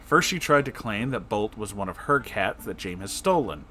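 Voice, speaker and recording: A man reading internet stories aloud in an expressive, effusive way, breaking in with casual, emotional asides. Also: lowish voice, moderate pace. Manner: emotional, effusive, reactive, profane.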